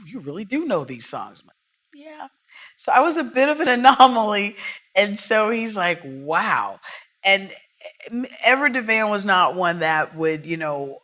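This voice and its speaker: A woman jazz singer from Oakland, California, talks as a podcast guest. She tells her stories with animation and acts out the people in them. Her voice is bright and carries well. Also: on the low side. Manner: animated storyteller, acts out quotes. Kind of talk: storytelling interview talk.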